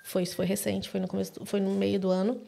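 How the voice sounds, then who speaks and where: A woman's voice: mid-range voice, fast, vocal fry. A Brazilian woman with a Brazilian Portuguese accent, a podcast guest telling a story in casual talk and acting out the voices she quotes. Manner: animated, acts out quoted voices.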